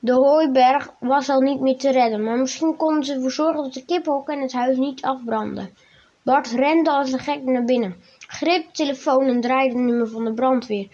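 A woman hosting a podcast and reading a storybook aloud in a steady, measured way. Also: sits high. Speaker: podcast host and story reader. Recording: dull lo-fi recording.

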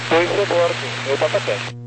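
Male pilot, higher-than-average voice, hesitant readback, heavily noisy radio. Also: sing-song, fast. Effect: aviation radio.

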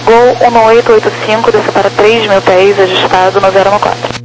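Brazilian air traffic controller, sex ambiguous mid-pitched voice, very fast monotone clipped callouts, noisy humming radio channel. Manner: procedural, rapid-fire instructions. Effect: aviation radio transmission.

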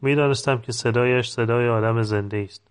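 A man reading a novel aloud in calm, measured scripted narration. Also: medium pitch, clear, resonant tone. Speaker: audiobook reader.

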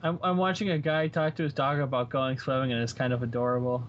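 A man's voice: medium pitch, level tone, quick pace. A man co-hosting a casual chat at home, laid-back with short dry answers and rambling asides. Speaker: podcast co-host. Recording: muffled lo-fi home recording, faint background hum.

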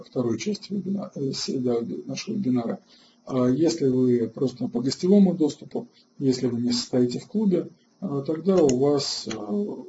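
A man hosting an online webinar lecture, halting with filler sounds and restarts, and answering chat questions between points. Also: medium pitch, warm tone, muffled recording, slight background noise. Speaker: webinar host.

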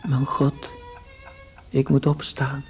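Tired anxious salesman talking to himself in radio drama, flat slow mellow voice. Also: mid-range voice, faint music behind. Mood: weary, anxious. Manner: weary, muttering to himself. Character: Gregor, weary anxious salesman turned insect, inner monologue. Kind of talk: radio play monologue.

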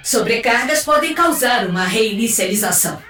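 A woman's voice: fairly high pitch, animated, normal speed, bright, forceful tone, recorded from a distance. A woman playing a cold, fierce android commander in an audio drama, clipped and commanding. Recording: echoey, off mic, faint music.

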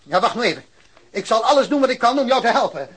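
A man's voice: very high voice, big pitch swings, fast, slightly rough, full character voice. An actor playing a careless, defensive male policeman in a radio play, dismissive and blustering. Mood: indignant, flustered. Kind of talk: radio drama acting.

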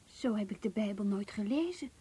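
A woman's voice: mid-range voice, lively intonation, brisk, mellow, husky. An actress playing an inquisitive, devout young Jewish woman who speaks with polite astonishment in a radio play. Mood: astonished. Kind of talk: Dutch radio play dialogue.

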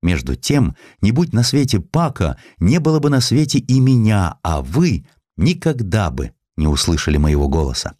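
A proud, passionate opera diva, as a male narrator puts her on in an audiobook. The lines are declaimed theatrically, with sweeping intonation in a low register, recorded dry. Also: very animated, moderate pace, mellow, no room sound. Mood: grateful, solemn. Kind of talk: audiobook character acting.

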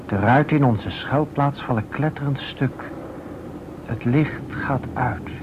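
A man's voice: mid-range voice, slow. Grave male narrator, muffled noisy recording. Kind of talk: dramatic scripted documentary narration in a radio play. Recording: muffled old radio recording, clear noise.

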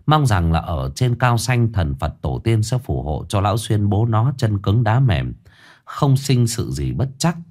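Low-voiced man narrating a horror tale. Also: a little mellow. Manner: low, dramatic, ominous.

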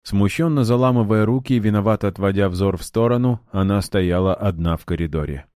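Deep-voiced male audiobook narrator. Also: fairly quick, dark tone, no room sound, studio quality. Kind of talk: first-person audiobook narration.

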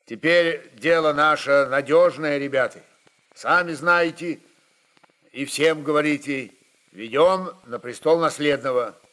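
Man acting a forceful Cossack rebel chieftain. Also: on the high side, rough recording. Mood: forceful, uneasy. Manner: forceful, halting declarations. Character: commanding Cossack rebel chieftain, bold, gruff, impatient.

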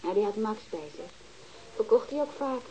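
A woman's voice: medium pitch, expressive, moderate pace, mellow, slight background noise, natural voice, low-quality recording. A woman acting a brazen, nonchalant teenage streetwalker in a radio drama, casual and defiant.

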